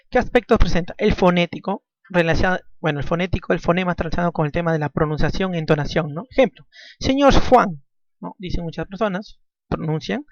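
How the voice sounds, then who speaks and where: In this classroom lecture, a high-voiced man teaches a language, going over key points again and tacking a questioning tag onto nearly every phrase. There is no echo, and the recording is dull, dry and lo-fi.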